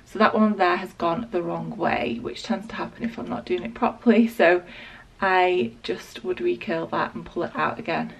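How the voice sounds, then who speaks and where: Northern English woman, late 20s, croaky with a sore throat, gravelly, rambling vlog chat. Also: on the low side, normal speed, hardly any pauses, recorded from a distance, a little hiss or hum, low-quality recording. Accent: Northern English, Lancashire. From England. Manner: relaxed, rambling, lots of ums and likes. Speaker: beauty vlogger. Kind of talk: casual hair tutorial. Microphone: small external mic.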